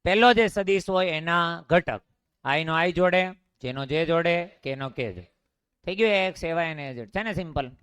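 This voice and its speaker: A man's voice: fairly high pitch, expressive, normal speed, a bit bright, smooth, dry recording. A man with a Gujarati accent teaching physics, who asks a question and then answers it himself. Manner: drilling, repeats each question and answers it himself. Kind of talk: classroom lecture with call-and-response questions.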